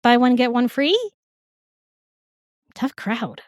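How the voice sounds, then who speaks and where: Woman acting a high-voiced, wry young best friend. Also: fairly even intonation, takes it slowly, no echo, studio quality. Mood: sarcastic, skeptical. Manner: sarcastic, casual. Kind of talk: fantasy audio drama acting.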